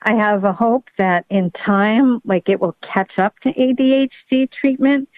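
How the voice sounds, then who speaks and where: A woman's voice: medium pitch, measured pace, faint music behind. A woman speaking conversationally as an expert guest in an interview, over a remote call. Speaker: guest, pediatric neurologist. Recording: very narrow phone-like line.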